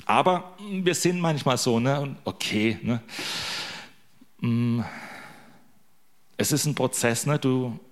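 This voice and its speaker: A man's voice: medium pitch, takes it slowly, pauses often. A man giving an informal sermon to his congregation. He is a father of young children who talks in a loose, joking way and keeps tagging his sentences with little questions to the listeners. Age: young adult to middle-aged, a father. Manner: chatty, joking, constant tag questions. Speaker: preacher.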